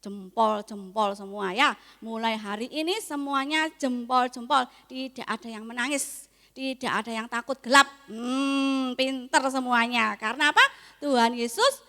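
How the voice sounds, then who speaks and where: A young woman teaching a Sunday school lesson, coaxing and lively with the children. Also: fairly high pitch, a little slow. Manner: lively, coaxing, talks to kids. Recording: echoey hall.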